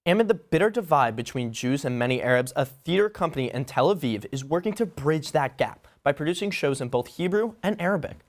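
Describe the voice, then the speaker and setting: A man's voice: a little high, expressive, a little fast, hardly any pauses. Male news anchor reading steadily. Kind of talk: scripted studio news reading.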